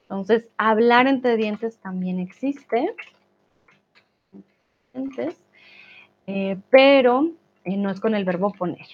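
A woman teaches a language class at an unhurried, deliberate pace, drawing out her words. Her voice sits a little higher than most, and the recording has a dull, lo-fi sound. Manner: patient explaining, drawn-out words, frequent "¿vale?" check-ins. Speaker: Spanish teacher. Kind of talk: online language lesson.

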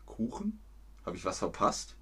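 A man teaching German in an online lesson, explaining phrases slowly and playfully, sometimes throwing in silly sound effects. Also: fairly low pitch, sing-song, sharp tone, husky, in a whisper.

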